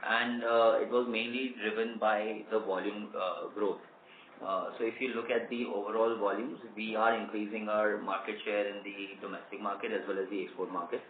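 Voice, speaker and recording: Casting: male executive, Indian accent, slightly low voice, measured delivery, reverberant phone audio. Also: little pitch movement. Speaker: company executive answering analysts. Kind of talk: earnings call answers. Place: conference call, roomy space. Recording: echoey, hissy phone line.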